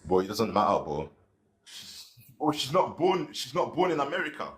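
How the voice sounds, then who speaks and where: A man with a British accent, a native French speaker, talks in a dismissive, confrontational way, and his pitch swings widely. His voice sounds roomy and echoey. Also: sing-song, moderate pace, a bit bright. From Ivory Coast. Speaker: live stream guest. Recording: roomy echo.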